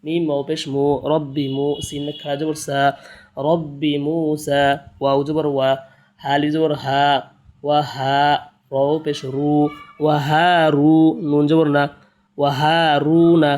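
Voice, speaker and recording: Teaching beginners the Arabic letters and vowel marks, a Bangladeshi Quran tutor chants slow drilled spellings in a narrow, sing-song melody, then explains quickly in ordinary speech. His darkish voice is a little high, with little pitch movement.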